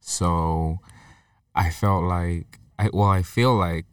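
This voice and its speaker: A young man from Uganda and Sweden, a musician guest talking casually with many fillers and pauses. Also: deep voice, clean tone, no echo, clean studio sound, distant mic. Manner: relaxed, hesitant, lots of fillers. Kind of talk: casual interview chat.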